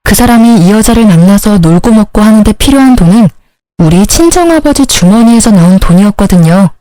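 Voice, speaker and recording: A woman narrating a dramatic first-person story in a calm, composed way. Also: mid-range voice, fairly quick, no room sound. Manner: calm, composed, plainly told.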